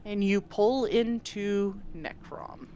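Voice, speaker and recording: A woman narrating a tabletop game as game master, relaxed and descriptive. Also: medium pitch, slow, slight background noise.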